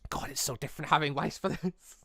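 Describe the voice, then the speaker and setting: With a fast-talking, bright and forceful voice on the high side, a man hosts a let's play, reading out visual novel dialogue. He rambles through his gaming commentary with stammered self-corrections, and the studio-quality, echo-free recording has music behind him.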